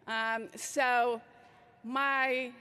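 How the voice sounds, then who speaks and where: A woman's voice: on the high side, little pitch movement, drawn-out words, sharp tone, clear, resonant tone. A woman from Mexico giving an invited conference talk, speaking with frequent fillers and false starts. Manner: hesitant, many fillers and restarts. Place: large conference hall. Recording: echoey large hall.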